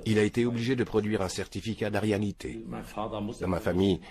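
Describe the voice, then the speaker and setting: An older man with a very low voice speaks with calm certainty, never thrown by a question. A murmur of voices runs under him. He sounds seated and close, in a small indoor room. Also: fast, a crowd in the background. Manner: matter-of-fact, earnest, unshaken by questions. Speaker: interviewee. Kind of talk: documentary interview. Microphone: film crew mic off camera.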